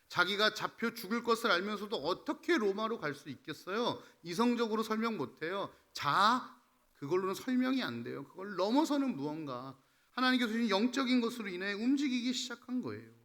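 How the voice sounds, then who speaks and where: A man's voice: high-pitched, sharp tone. A man, a pastor, preaching a sermon in a conversational style that rises to emphatic exhortation.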